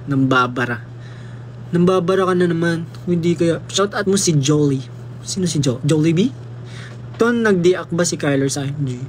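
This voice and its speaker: A man's voice: fairly high pitch, lively intonation, normal speed, slight background noise. A young man with a Filipino accent chatting casually on a livestream, reading comments and teasing fans in a playful way. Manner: playful, teasing, mixes Tagalog and English.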